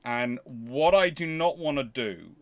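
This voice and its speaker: A British man hosting a casual question-and-answer livestream, talking in a rambling, halting way and often repeating and rephrasing himself. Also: medium pitch, lively intonation.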